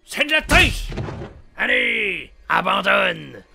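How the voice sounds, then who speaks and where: A man's voice: high-pitched, big pitch swings, vocal fry, sharp tone, faint music behind, heavily acted. A man playing a manic, sadistic clown supervillain in a video game fan dub, taunting and theatrical. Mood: gleeful, taunting. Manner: taunting, drawn-out, swooping delivery.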